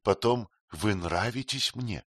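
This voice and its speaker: A man's voice: lowish voice, animated, takes it slowly, a bit bright, no room sound, voice pushed up, full character voice. A scheming young queen, coquettish and intense, as a man puts her on for an audiobook. Her voice sits well above his own and swings widely, pleading one moment and commanding the next. The sound is close and dry.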